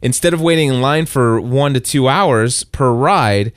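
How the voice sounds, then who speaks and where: A man telling a long, animated story in casual chat, acting out the people in it. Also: mid-range voice, unhurried, clean tone, no room sound, clean studio sound. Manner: animated, quotes others in raised voice.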